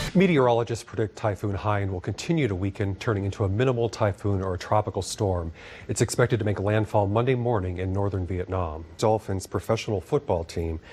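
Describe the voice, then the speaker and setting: A fairly low-pitched, somewhat breathy man's voice at a fairly quick pace with hardly any pauses and ordinary pitch variation, on a very clean recording with a silent background. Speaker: news anchor. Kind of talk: TV news anchor read.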